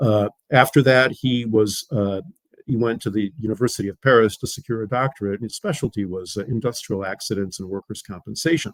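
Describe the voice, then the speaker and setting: Speaking at a fairly quick pace with a Midwestern accent, a man uses a medium pitch with ordinary variation, the sound dry and close with no echo. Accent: American, Midwest. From Ohio, US. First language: Lithuanian. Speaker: former religious TV host. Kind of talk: interview storytelling. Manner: halting, many fillers.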